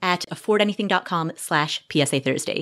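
A woman's voice with vocal fry and very wide pitch swings, over a quiet background. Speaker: podcast host. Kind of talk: podcast monologue. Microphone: studio mic.

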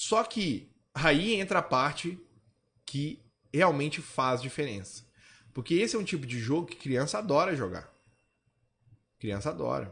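This man speaks at a fairly slow pace with long, frequent pauses, a fairly high pitch, vocal fry, very wide pitch swings and an animated tone. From Brazil. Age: 30s. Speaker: gaming YouTuber and streamer; gaming YouTuber, streamer. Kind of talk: casual opinion commentary video. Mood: opinionated, animated. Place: home room.

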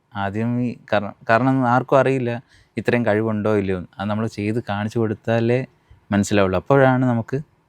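This man has an unremarkable speaking voice at medium pitch, with fairly even intonation. The sound is dry and close, with no echo. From Kerala, Thiruvananthapuram. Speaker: ultra runner and army soldier. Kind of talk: interview.

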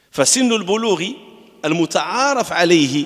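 The speaker is a man with a Moroccan accent. His pitch is high and his intonation lively. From Morocco. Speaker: imam. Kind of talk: sermon. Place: church. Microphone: podium.

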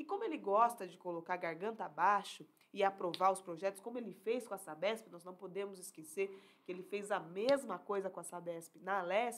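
A woman's animated tone, at a moderate pace with ordinary pitch variation. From Brazil, São Paulo state (Araraquara); São Paulo state, Brazil. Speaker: state legislator; guest. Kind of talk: political talk show chat. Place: studio. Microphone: studio mic.

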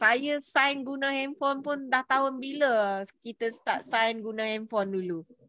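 A woman speaks in a high, bright, sharp voice, raised and projected, at a fairly slow pace with ordinary pitch variation. She hardly pauses, and the sound is dry with no echo. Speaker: business co-founder; business coach. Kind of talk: online coaching webinar. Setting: video call. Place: office. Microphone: video call.

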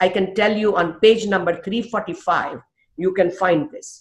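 Somewhat breathy, a woman speaks at a very slow pace with audible room echo. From India. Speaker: psychiatrist; guest. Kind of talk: panel discussion. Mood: calm and earnest. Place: home room. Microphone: webcam.

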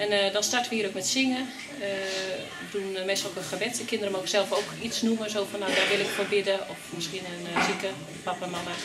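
Loud background noise runs throughout. Over it, a woman speaks at a fairly quick pace. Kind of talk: interview answer. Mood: calm, friendly. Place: hall.

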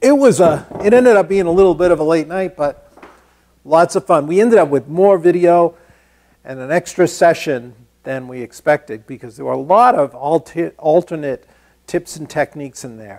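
Behind the male speaker, the room is quiet. He keeps a moderate pace. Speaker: woodworking teacher. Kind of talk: casual channel update announcement. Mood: upbeat, enthusiastic. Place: workshop. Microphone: lapel.

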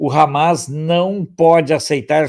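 The background is silent in this very clean recording. A man's fairly high voice is heard. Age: 60s. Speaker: political live-stream host. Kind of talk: casual live-stream commentary. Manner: animated.

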